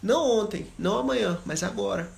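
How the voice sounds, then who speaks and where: High, gravelly preacher man. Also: expressive, a little fast, slight background noise. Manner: repetitive, emphatic exhortation; conversational, addresses listeners directly. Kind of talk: live Bible study sermon.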